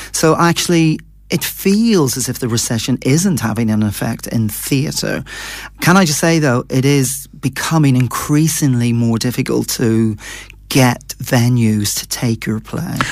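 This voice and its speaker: Speaking with a Northern Irish accent, the voice moves at a fairly slow pace with ordinary pitch variation. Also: man, medium pitch for a man. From Northern Ireland, Belfast. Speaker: playwright. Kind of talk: radio interview.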